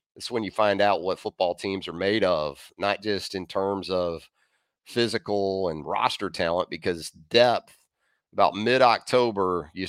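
Delivered at a fairly slow pace, this is an ordinary speaking voice. The sound is dry and close with no echo, in a very clean recording with a silent background. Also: man. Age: 50s. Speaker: sports analyst. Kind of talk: solo sports analysis podcast.

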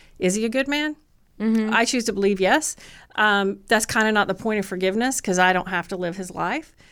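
Here a woman with an American accent talks in a plain, everyday voice at medium pitch and a fairly quick pace. Her pitch varies in an ordinary way, and the recording is very clean with a silent background. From Georgia, US South. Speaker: sales executive in media. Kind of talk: interview. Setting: studio.

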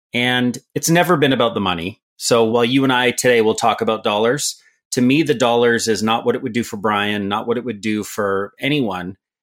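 With a Canadian accent and a normal speaking voice, a man talks at medium pitch and a fairly quick pace, with ordinary pitch variation and hardly any pauses, in a very clean recording against a silent background. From Canada. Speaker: entrepreneur and author. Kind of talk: interview.

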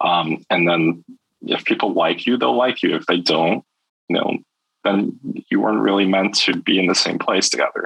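A man speaks at a moderate pace, his loudness staying very even throughout. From US, moved from Taiwan in first grade. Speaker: podcast guest. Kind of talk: casual chat. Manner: halting.

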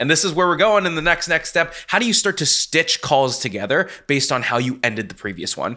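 With a plain, everyday voice, a man speaks at a fairly high pitch with lively intonation. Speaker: podcast co-host. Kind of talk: casual interview.

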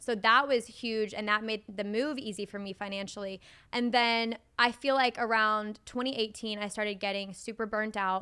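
Her voice fairly high and her tone bright and sharp, a woman with an American accent speaks with fairly even intonation on a very clean recording with a silent background. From Texas, Dallas. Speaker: wedding photographer. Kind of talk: casual chat. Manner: fast.

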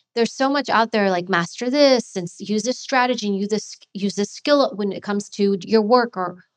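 A woman speaks with a New York accent at a fairly quick pace. Her medium pitch carries ordinary pitch variation. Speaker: former Secret Service agent and speaker. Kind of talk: interview conversation.

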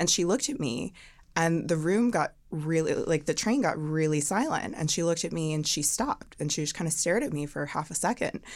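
At a fairly quick pace, a woman speaks in a plain, everyday voice, fairly low in pitch and with lively intonation. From US South, North Carolina. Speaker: tech company founder and CEO. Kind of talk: interview conversation.

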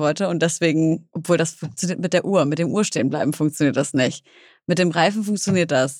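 Recorded very cleanly over a silent background, a woman with an ordinary speaking voice talks fairly quickly at a fairly low pitch with ordinary pitch variation. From Leipzig, Germany (Syrian roots). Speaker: journalist and co-host. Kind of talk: storytelling; casual chat.

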